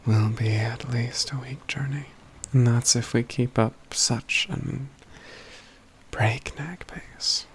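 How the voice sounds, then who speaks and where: A hushed, gravelly male mage acted by a man speaks slowly in a soft ASMR fantasy roleplay. He is wry, self-assured and caring, with formal, gently teasing phrasing, over faint background noise. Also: mid-range voice, fairly even intonation. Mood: warm, wry. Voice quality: breathy, often near-whispered, gravelly.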